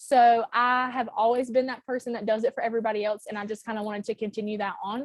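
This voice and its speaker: In an American accent, a woman with a fairly high voice talks at a very fast pace with hardly any pauses and fairly even intonation, the sound dry and close with no echo. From North Carolina. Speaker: travel agent trainer. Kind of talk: training webinar.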